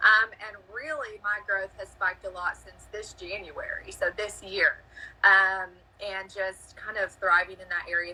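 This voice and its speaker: A woman's medium-pitched voice with a bright, sharp tone, ordinary pitch variation, and a Texas accent. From West Texas. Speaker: social media coach. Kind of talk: interview.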